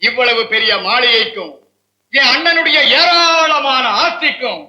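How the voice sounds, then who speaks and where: A man's voice: very high voice, animated, pushed and bright, full character voice. An actor playing a greedy man who gloats over the mansion and wealth he has seized. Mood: gloating. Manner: gloating, slow and boastful. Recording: roomy old film soundtrack.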